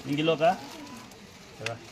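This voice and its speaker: A man's voice: a little fast, background noise. A man at a busy temple gathering, scolding and consoling people in turn like a father. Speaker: temple elder handing out offerings. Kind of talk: speaking to devotees in a crowd. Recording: loud crowd behind.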